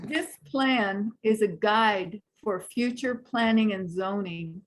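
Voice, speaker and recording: A woman on a committee speaking at a public meeting over a video call, explaining in halting, deliberate phrases while her audio cuts in and out with uneven volume. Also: medium pitch, low-quality recording. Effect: choppy call audio cutting in and out, uneven volume. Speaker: planning committee member.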